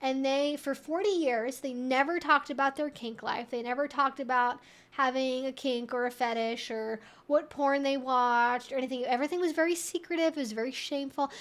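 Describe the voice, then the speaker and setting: A woman with a high voice talks as the host of a casual livestream Q&A. She explains things candidly and conversationally, wandering into asides as she goes. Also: moderate pace, fairly bright tone.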